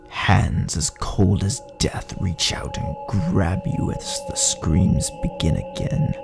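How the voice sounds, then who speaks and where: A man narrating a second-person sci-fi horror story in an ominous, dramatic way, his gravelly, breathy voice often sinking toward a whisper. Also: sits low. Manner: ominous, drawn-out, dramatic phrasing. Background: music.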